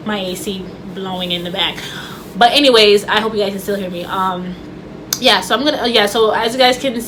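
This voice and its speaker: A woman vlogging casually to camera. She stutters and talks loosely, with lots of fillers and restarts. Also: mid-range voice. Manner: stutters, with repeated words and restarts; chatty and loose, with many fillers. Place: home room with air conditioner running. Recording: faint air conditioner hum.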